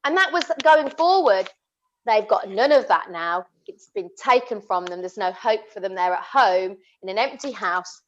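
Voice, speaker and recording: A woman's voice: mid-range voice, expressive, moderate pace. A woman, talking earnestly and passionately, often restarting her sentences. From England. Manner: impassioned, earnest, many restarts. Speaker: podcast co-host. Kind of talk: casual chat. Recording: dull lo-fi audio.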